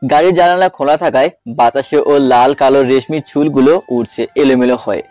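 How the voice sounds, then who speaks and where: A man's voice: medium pitch, a little fast, darkish tone, no room sound, soft background music. A young man narrating a romantic story in first person and voicing its mischievous hero. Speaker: narrator and male lead.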